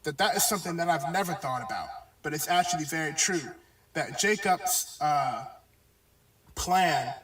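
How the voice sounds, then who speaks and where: A man's voice: fairly high pitch, animated, a bit bright. Brief: male bible teacher, hesitant delivery with frequent fillers, roomy echoey distant sound. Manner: halting, many pauses and fillers. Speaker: religious teacher. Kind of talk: bible lesson video. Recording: echoey, distant video playback.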